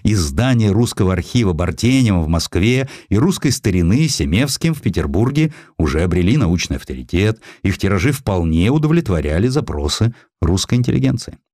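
A man narrates a historical sketch in a fairly low voice with very lively intonation. The sound is dry and close, and the delivery is that of a scripted, expressive audiobook reading. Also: fairly quick, few pauses, no echo.

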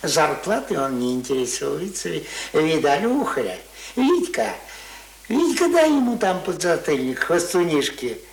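A man's voice: a little high, very animated, measured pace, creaky, heavily acted, rough recording. An actor playing a querulous, hungover old village grandfather who grumbles in folksy speech in a radio play. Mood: scolding. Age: older. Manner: folksy, querulous, muttering and exclaiming.

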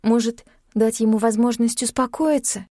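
A woman voicing a distraught, tearful young woman who wails and sobs between excited outbursts. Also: a little high, normal speed, no echo, clean studio sound, close to an everyday voice. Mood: agitated. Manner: wailing, sobbing outbursts.

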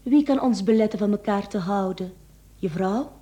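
An actress with a Flemish accent playing a young mistress in a radio play, teasing, coaxing and calculating. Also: female voice, mid-range voice, normal speed, mellow, lightly acted. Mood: coaxing, determined. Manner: coquettish, teasing.

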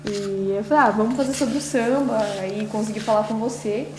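A young woman student leads an interview in a halting way, leaning on fillers as she searches for her words. Her voice sits a little above average in pitch. She is recorded in an echoey room with faint noise behind her. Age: young adult. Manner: hesitant, many fillers and restarts. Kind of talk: casual interview questions.

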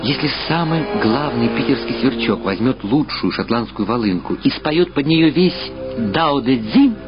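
A man's voice: medium pitch, expressive, measured pace, lightly acted. A man voicing a brooding, earnest young man in a reflective literary audio drama. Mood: scornful. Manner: wistful, reflective. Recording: dull lo-fi sound under loud music. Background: loud music.

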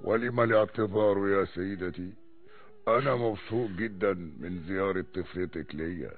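An actor playing a gentle, wise elderly scientist who speaks in a calm, courteous, formal way, in old radio acting. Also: male voice, sits low, normal speed. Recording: tinny lo-fi archival radio.

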